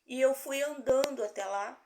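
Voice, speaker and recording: At a moderate pace and with a darkish tone, a Brazilian woman pastor in middle age delivers a sermon in Brazilian Portuguese-accented speech. Her storytelling includes acted-out dialogue where her pitch lifts, captured in a room with noticeable echo.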